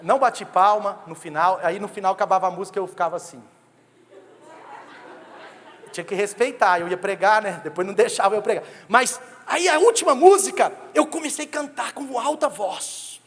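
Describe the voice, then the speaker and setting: High-voiced Brazilian pastor, animated and joking. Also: male voice, a little fast, hardly any pauses, slight background noise. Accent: Brazilian Portuguese. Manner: humorous, animated storytelling that jokes with the congregation. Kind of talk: sermon. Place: church sanctuary. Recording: long reverb of a church hall.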